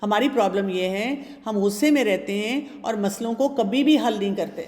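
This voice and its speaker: A woman giving a talk on parenting and faith, calmly advising her listeners and addressing them directly. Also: medium pitch, in a large hall. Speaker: speaker answering audience questions.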